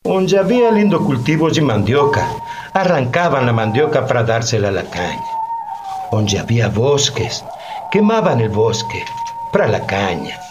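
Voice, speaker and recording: A man's voice: medium pitch, big pitch swings, lightly acted. An actor playing a weary old Black Brazilian peasant man in a Spanish-language radio play, rustic, rambling and brooding. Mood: mournful. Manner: rustic, rambling, brooding, with slow drawn-out phrases. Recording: noisy recording with loud ambient background.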